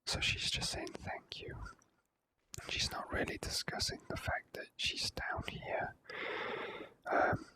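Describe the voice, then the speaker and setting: A person whispering relaxed, unhurried ASMR commentary while playing a video game. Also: poor audio.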